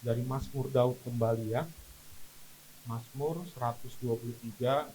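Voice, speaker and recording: A man's voice: mid-range voice, steady tone, unhurried, warm tone, a little hiss or hum, poor audio. A man preaching a sermon as pastor at a church service, telling stories with emphatic delivery.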